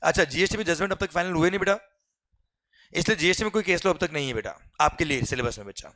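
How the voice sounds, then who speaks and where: A man with an Indian accent teaching a lively class, often calling students "beta" and asking whether they follow, and reading English exam questions out slowly. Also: fairly high pitch. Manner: addresses students as beta, keeps asking "clear?".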